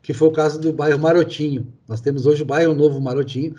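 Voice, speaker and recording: A man hosts a conversational interview, recounting local history in a loose, storytelling style packed with fillers and restarts. His voice is on the high side but dark and slightly rough, quick-paced with fairly even intonation, and the highs are cut off.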